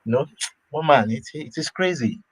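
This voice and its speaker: A man's voice: a little high, animated, normal speed, breathy edge, rough recording. A man from Nigeria talking casually, often repeating and restarting words and breaking into small laughs. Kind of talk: casual opinion talk.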